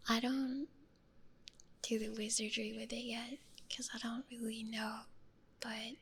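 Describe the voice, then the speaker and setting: A woman streaming ASMR in a hushed, breathy whisper, speaking gently and intimately close into a stereo microphone. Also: on the high side, flat delivery, a little slow.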